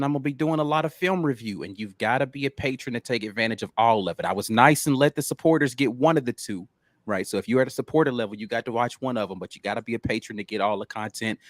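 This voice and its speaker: A man's voice: fairly low pitch, no echo, studio quality. A man co-hosting a sports podcast, talking laid-back and loose with plenty of ums and slang. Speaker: podcast co-host, film analyst. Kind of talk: casual sports talk.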